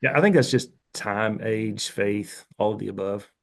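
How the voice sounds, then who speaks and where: A man in his fifties with a somewhat low voice speaks as a podcast guest. He is candid and loose, circling his point with asides and self-corrections. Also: moderate pace. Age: 50s. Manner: frank, rambling, candid. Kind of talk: casual interview talk.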